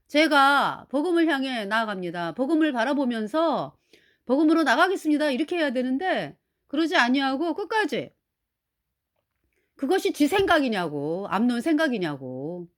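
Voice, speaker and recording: Woman preacher, high animated delivery, chatty, acts out the quotes. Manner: colloquial, acts out quotes, asks listeners for agreement. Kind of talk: sermon retelling a Bible story.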